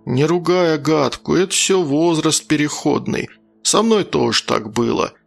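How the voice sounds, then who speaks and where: A man voicing a hungover stepfather talking in a falsely gentle, soothing way. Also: a little high, lively intonation, measured pace, creaky, faint music behind, heavily acted.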